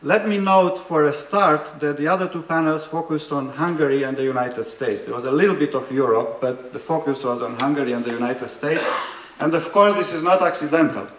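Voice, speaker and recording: A man from Romania moderating an academic panel, introducing speakers in a measured way with frequent fillers and dry humor. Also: fairly high pitch, slight background noise. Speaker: higher education policy researcher. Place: conference hall. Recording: echoey conference hall.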